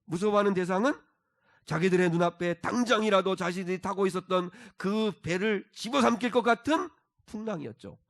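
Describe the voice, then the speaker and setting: Brief: male pastor, higher-pitched voice, sermon delivery that swings from soft to forceful. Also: a little fast. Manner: swings between soft asides and loud emphatic exhortation; leads congregation in reading scripture aloud.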